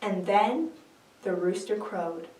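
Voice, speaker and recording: A woman reading a scripted dramatic scripture narration as an expressive storyteller. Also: mid-range voice, takes it slowly. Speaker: dramatic reader. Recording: echoey room, distant microphone.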